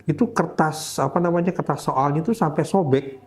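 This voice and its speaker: Man telling a story with animated delivery. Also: fairly high pitch, moderate pace. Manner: animated, acts out the voices of people in his story; searches for words with frequent fillers. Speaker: interview guest recounting a religious conversion. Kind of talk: casual storytelling in conversation.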